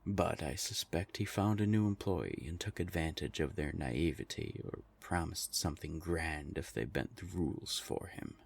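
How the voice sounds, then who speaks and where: A very low, husky voice with a heavy rasp , acted by a man, belonging to a centuries-old vampire in an audio drama. The vampire is theatrical and condescending, taunting with smug, polished menace. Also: normal speed, hardly any pauses, full character voice. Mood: sly, matter-of-fact.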